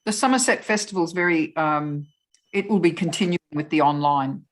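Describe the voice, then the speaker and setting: A woman on a video call, calmly explaining how an online festival works. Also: sits low, brisk. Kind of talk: online meeting discussion.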